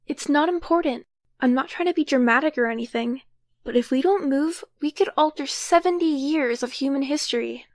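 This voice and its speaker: Woman acting a cautious young female time traveler, high-pitched, earnest, instructive, audio drama, very dry sound. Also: moderate pace, dry recording. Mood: tense, matter-of-fact.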